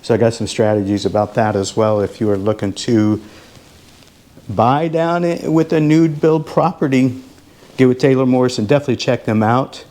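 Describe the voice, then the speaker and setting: A man with a mid-range voice talks as a real estate advisor on a video home tour. His delivery is casual and salesy, addressing the viewer directly as he pitches. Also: normal speed, warm tone. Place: inside a model home.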